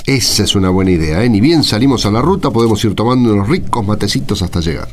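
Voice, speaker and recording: Actor playing a fast-talking, animated Argentine driver. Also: male voice, on the low side, a little hiss or hum, close to an everyday voice. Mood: upbeat. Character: good-humored man, driver proud of his old car. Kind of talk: radio play acting.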